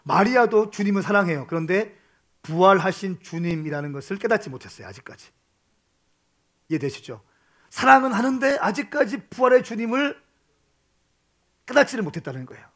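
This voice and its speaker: A male pastor preaching a sermon, swinging between shouts and soft hushed tones, repeating phrases and calling for amens. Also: high-pitched, expressive, a little fast, pauses often.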